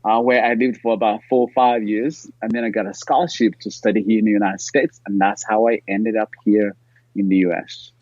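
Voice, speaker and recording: A man's voice: lowish voice, little pitch movement, fairly quick, a little mellow, no echo, highs cut off. A man from Uganda, a podcast guest telling his life story earnestly, with frequent fillers and restarts.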